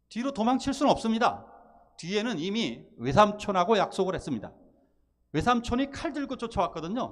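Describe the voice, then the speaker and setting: A male pastor preaching a sermon, telling a story with animated delivery and acting out the pleading voices of its characters. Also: high-pitched. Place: church sanctuary.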